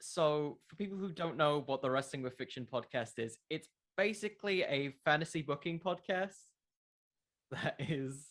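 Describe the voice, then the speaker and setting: A man's voice: on the high side, unhurried, a bit bright. A man chatting casually as the guest in an interview. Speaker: podcast creator being interviewed.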